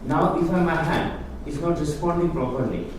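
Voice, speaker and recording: A man's voice: fairly high pitch, normal speed. Man lecturing from far off in an echoey hall. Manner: earnest, explanatory, non-native phrasing. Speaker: guest speaker on Hindu philosophy. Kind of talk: public talk answering audience questions. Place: lecture room with audience. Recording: echoey hall, speaker far from mic, noisy.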